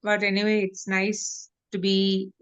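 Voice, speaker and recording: A woman's voice: mid-range voice, monotone, unhurried, smooth, no room sound. A woman from India giving brief, level comments as a late-joining meeting guest. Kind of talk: casual online meeting comments. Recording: muffled call audio.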